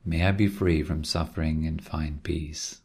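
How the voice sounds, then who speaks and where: A man leading a guided meditation as a teacher, speaking in a calm, gentle and unhurried way with long pauses and a husky, gravelly voice. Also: a bass voice. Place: quiet room.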